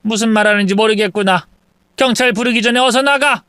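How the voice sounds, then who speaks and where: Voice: mid-range voice, a little fast, fairly bright tone, clean tone, dry recording, studio quality, pitched above the performer's own voice, close to an everyday voice. A reader voicing a scheming older mother-in-law who runs a family of thieves, speaking with scolding contempt. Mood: scornful.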